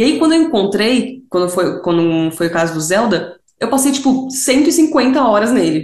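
Audible room echo surrounds a woman as she speaks. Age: 20s. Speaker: gaming show presenter. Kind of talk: casual interview.

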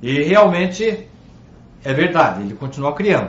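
Somewhat breathy and fairly high in pitch, a man speaks at a fairly slow pace with lively intonation and audible room echo. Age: 70s. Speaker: spiritist speaker and show host. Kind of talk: live Q&A program. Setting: broadcasting alone from home.

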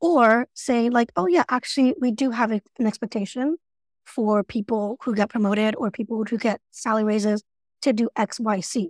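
A woman with a fairly high pitch, an unremarkable speaking voice, talks at a moderate pace with ordinary pitch variation in a dry, close sound with no echo. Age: 30s. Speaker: podcast co-host, UX writer. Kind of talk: casual chat. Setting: video call.

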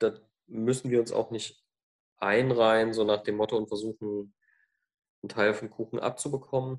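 A man at medium pitch, monotone and flat, moderate in pace, with long, frequent pauses. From eastern Germany. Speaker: photographer and podcast co-host. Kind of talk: casual chat.

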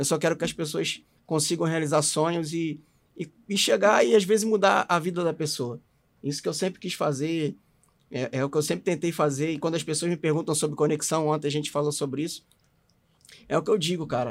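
A man with a normal speaking voice talks at a fairly quick pace in a fairly high pitch with ordinary pitch variation, on a very clean recording with a silent background. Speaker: career manager. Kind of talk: casual chat.

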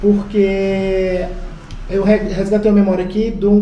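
Against noticeable background noise and audible room echo, a man talks in a flat monotone at a high pitch. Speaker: podcast co-host. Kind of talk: casual chat.

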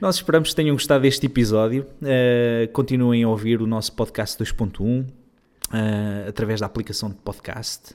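Recorded very cleanly with a silent background, a man in a normal speaking voice talks at a moderate pace and medium pitch with ordinary pitch variation. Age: 30s. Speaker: podcast host. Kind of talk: outro announcement; casual interview chat.

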